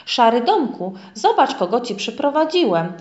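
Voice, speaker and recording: A woman's voice: fairly high pitch, very animated, normal speed, darkish tone, pitched above the performer's own voice. A woman doing the cheerful, smug wind. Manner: cheerful, pleased with himself. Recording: echoey, dull lo-fi room.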